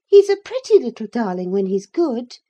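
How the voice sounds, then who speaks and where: A woman's voice: fairly high pitch, sing-song, moderate pace, warm tone, voice pushed up. A woman voicing a headstrong, coaxing teenage girl in an audiobook reading, speaking eagerly and emphatically.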